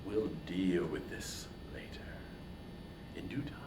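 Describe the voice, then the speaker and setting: A man voicing a proud, wrathful, grasping warrior king in a dramatic reading of epic poetry, declaiming haughtily and swinging between hushed and thundering. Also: low-pitched, slow pace, echoey room, noisy background, pitched below the performer's own voice. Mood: menacing command.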